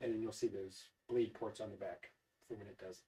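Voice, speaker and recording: A man's somewhat breathy voice with a dark, mellow tone and ordinary pitch variation. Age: 40s. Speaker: bike mechanic YouTuber. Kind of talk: live-stream tutorial. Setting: live stream, workshop. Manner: casual, thinking aloud.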